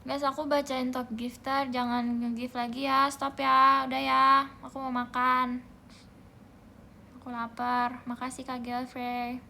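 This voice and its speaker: A young woman streaming live, chatting playfully in a soft voice, humming bits of songs and thanking viewers by name. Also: high voice, completely flat delivery, a little slow, creaky, a little hiss or hum. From Indonesia. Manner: playful, soft-spoken, sings snippets and reads out gifter names. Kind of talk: casual livestream chat.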